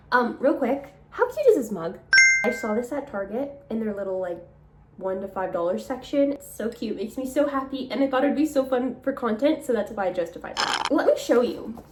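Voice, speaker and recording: A woman's voice: on the high side, reverberant. A young woman, a small business owner, chatting casually to camera in a rambling vlog with a slightly nasal sound from allergies. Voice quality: chatty, rambling, laughs between phrases. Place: home.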